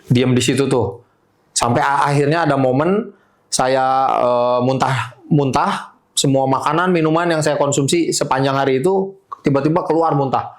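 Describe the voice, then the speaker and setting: Calm man telling a personal testimony. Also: medium pitch, normal speed. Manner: calm, plain storytelling with casual fillers. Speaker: guest sharing testimony. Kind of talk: testimony in an interview.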